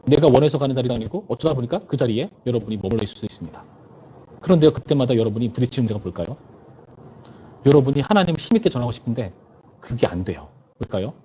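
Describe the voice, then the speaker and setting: A man's voice: mid-range voice, lively intonation, racing, warm tone, muffled recording, slight background noise. A male pastor preaching to a youth service in a conversational way, often putting questions to his listeners.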